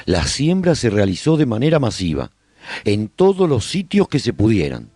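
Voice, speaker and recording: Guy acting as apocalypse survivor telling his story on a radio serial, mellow raspy voice, really varied intonation. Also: mid-range voice, huge pitch swings, normal speed, no echo, studio quality, exaggerated voice. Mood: measured, reflective. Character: male survivor recounting life after a zombie apocalypse. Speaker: narrator of a serial radio drama. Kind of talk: scripted first-person radio drama narration.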